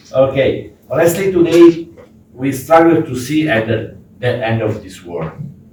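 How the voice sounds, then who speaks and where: In an Italian accent, a man with a fairly high pitch speaks with lively intonation and big swings in loudness, with audible room echo. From Italy. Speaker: government official. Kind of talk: panel talk, partly read from notes. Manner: halting, many fillers.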